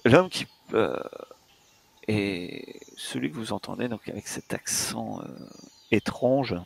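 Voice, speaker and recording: A man's voice: fairly low pitch, slow, gravelly, slightly rough. A man narrating as game master, hesitant and full of fillers. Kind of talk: narrating a tabletop role-playing game.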